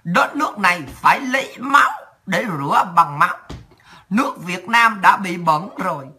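A woman's voice: on the low side, expressive, normal speed, pushed and bright, breathy edge. A woman with a Southern Vietnamese accent delivering a heated, sarcastic, coarse political rant as a commentator.

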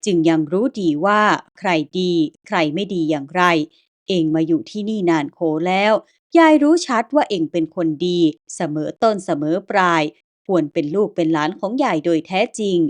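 A woman voicing a kindly old grandmother ghost who speaks in calm, old-fashioned rustic words and reassures the listener. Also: fairly low pitch, normal speed, close to an everyday voice. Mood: reassuring.

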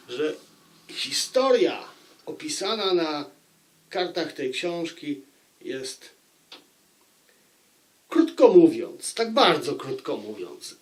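Male book reviewer, slightly higher-pitched voice, very animated intonation, deliberate storyteller phrasing. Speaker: book reviewer and audiobook narrator. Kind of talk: book review, addressing viewers.

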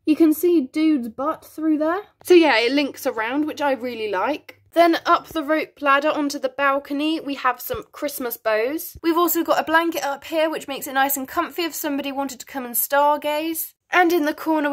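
Chatty high-voiced woman giving a tour. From United Kingdom. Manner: chatty, self-deprecating asides. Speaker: toy barn tour vlogger. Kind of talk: casual narrated tour.

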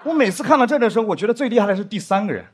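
Lively young man doing stand-up comedy. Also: rapid-fire, a little hiss or hum. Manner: animated, acts out deadpan spy-drama lines in a lower voice. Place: studio stage with live audience. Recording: studio stage with audience laughter. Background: audience laughter.

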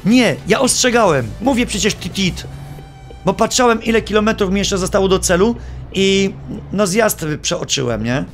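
A man streaming live, giving gameplay commentary in an animated, joking and playfully exasperated way. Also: high-pitched, moderate pace, faint music behind.

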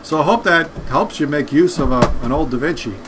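Higher-voiced middle-aged man, casual tutorial. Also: fairly quick, noisy background. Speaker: YouTube host showing workshop tips. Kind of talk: casual explanatory tutorial to camera. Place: indoor home workshop.

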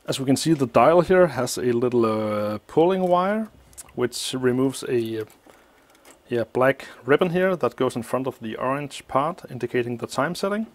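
A man explaining a teardown of an old appliance at a workshop bench, thinking aloud with many pauses, his voice slightly muffled by a mask. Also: medium pitch, animated. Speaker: electronics teardown host. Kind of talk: hands-on technical walkthrough.

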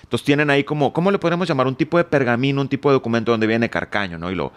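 A man's voice: mid-range voice, very fast, smooth, no echo. A middle-aged man telling stories as an interview guest, joking and swearing casually. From Mexico. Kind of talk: casual storytelling.

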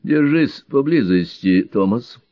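A man's voice: medium pitch, expressive, takes it slowly, no room sound, muffled recording. A man voicing an older police inspector who talks in a clipped, dry, commanding way. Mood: hushed urgent.

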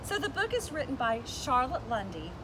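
Older female story time host, casual and lively, high-pitched, recorded outside. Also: normal speed. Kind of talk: casual introduction to children. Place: outdoors on steps by a building entrance. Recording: loud outdoor traffic and ambient noise.

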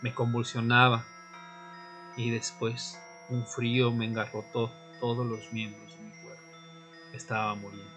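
A man playing a tormented young vampire, narrating an audio drama in the first person with solemn, deliberate, dramatic pauses. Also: medium pitch, monotone, natural voice. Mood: grim, anguished. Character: Fernando, tormented newly turned male vampire recounting his death. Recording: music bed under the voice.

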